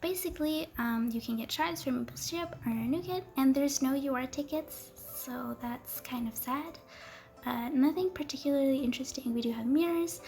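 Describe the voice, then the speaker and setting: A young woman chatting casually through a game walkthrough, giggly and full of ums, her voice going hoarse as she loses it. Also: sits high, moderate pace, a little mellow. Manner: chatty and giggly, gushing over cute characters, many ums. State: losing her voice, coughing. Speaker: gaming video creator. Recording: faint music underneath.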